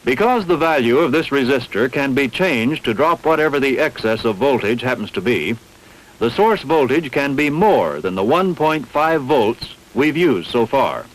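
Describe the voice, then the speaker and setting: Man narrating with lively intonation. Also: mid-range voice, rough recording. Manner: measured, didactic, carefully enunciated. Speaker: training film narrator. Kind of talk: scripted instructional narration.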